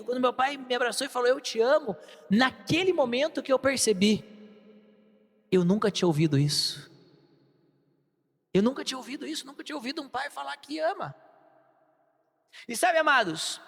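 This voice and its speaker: A young adult man with a Brazilian Portuguese accent preaching a sermon, telling a personal story with emphatic shouted bursts. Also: very high-pitched. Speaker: pastor. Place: large church hall. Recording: long hall reverb.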